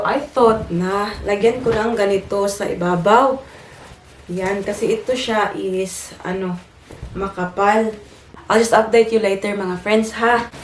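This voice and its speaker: A woman's voice: medium pitch, echoey room, a little hiss or hum. A Filipino woman chatting casually to her vlog audience, mixing English into Tagalog, a bit congested from a cold. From Philippines. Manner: chatty, mixes English into Tagalog, laughs while telling stories. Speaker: vlogger. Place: home, indoors.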